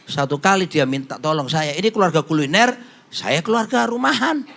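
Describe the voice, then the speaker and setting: Lively high-voiced joking male pastor. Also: brisk, vocal fry. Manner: jokey storyteller, acts out quotes, slips into Javanese phrases. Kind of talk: humorous sermon.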